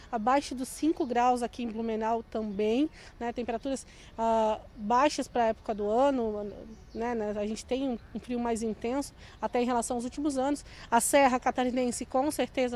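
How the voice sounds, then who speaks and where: A young adult woman meteorologist explaining the forecast in a measured way, speaking into a handheld mic outdoors on a city street. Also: on the high side, darkish tone. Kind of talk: live outdoor weather interview. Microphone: handheld reporter mic. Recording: faint outdoor street noise. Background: faint street traffic.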